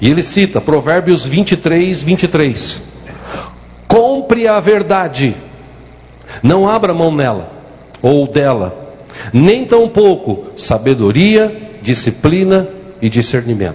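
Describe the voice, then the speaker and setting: Over noticeable background noise, a man speaks at a very slow pace with a high pitch, very wide pitch swings, very even loudness, and long, frequent pauses. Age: 50s. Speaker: pastor. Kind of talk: sermon.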